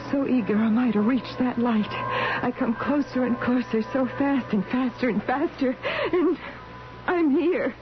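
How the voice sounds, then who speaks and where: An actress in a radio drama voicing a sick woman's drifting spirit, dreamy, halting and full of hushed wonder. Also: high-pitched. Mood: excited, eager. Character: frail dying woman, dreamy disembodied spirit, awed and tender. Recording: dull 1970s radio drama, loud music behind. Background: loud music.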